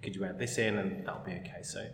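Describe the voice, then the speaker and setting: A man's voice: deep voice, fairly even intonation, fast talker. A man chatting as a patient guest, with hesitant restarts, recorded in a big echoing conference room. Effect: big hall echo. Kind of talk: casual conversation. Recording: echoey large room, noisy.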